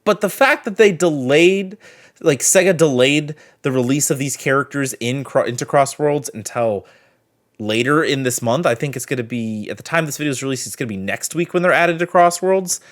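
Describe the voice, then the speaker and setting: Speaking at a moderate pace in a mid-range voice, a man hosts a reaction video. He's chatty and expressive, giving casual commentary and review.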